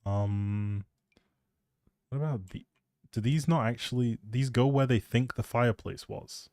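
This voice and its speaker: A man's voice: medium pitch, unhurried, darkish tone, no room sound, clean studio sound. A man chatting casually as a live streamer, playful and teasing as he thinks aloud while commenting on a game.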